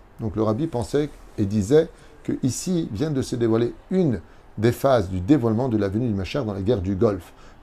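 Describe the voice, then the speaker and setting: The voice has a dark, mellow tone, lively intonation and a somewhat breathy quality at a moderate pace. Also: man, medium pitch for a man. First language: Hebrew (speaking French). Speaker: rabbi. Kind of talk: reading aloud with commentary. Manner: halting.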